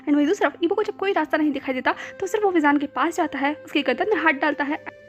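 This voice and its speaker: A woman's voice: high voice, fast talker. A woman narrating a romance story, mixing English words into her telling. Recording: soft background music.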